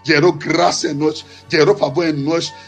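A man's voice: fairly high pitch, flat delivery, moderate pace, creaky, faint music behind. A man, preaching a sermon as a pastor in an impassioned way, repeating his phrases like a chant.

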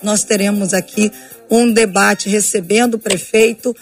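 A woman's voice: medium pitch, steady tone, unhurried, soft background music. A woman co-hosting a radio show, earnestly inviting listeners to send messages. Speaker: radio co-host. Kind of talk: radio announcement.

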